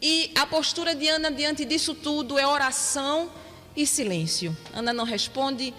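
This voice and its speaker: A woman's voice: high voice, normal speed. A Brazilian Portuguese woman preaching a sermon in a church, reflective and repeating her points for emphasis. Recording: long hall reverb with soft music.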